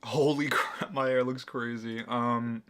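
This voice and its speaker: A man's voice: mid-range voice, steady tone, unhurried, a bit bright, smooth. A young man hosting a reaction video, talking casually with incredulous, mocking asides and frequent laughs.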